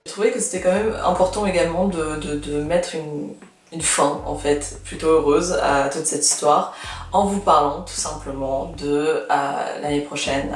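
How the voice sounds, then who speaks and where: Woman in her 20s, chatty law student vlogger, hoarse from losing her voice, recorded off-mic. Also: sits low, roomy sound, far from the mic, a little hiss or hum. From Canada. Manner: chatty, many fillers and restarts. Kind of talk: casual vlog chat.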